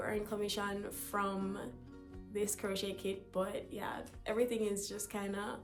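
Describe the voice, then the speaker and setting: A woman at medium pitch and fairly slow pace, with music in the background and audible room echo. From Jamaica. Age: 20s. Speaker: lifestyle content creator. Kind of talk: tutorial.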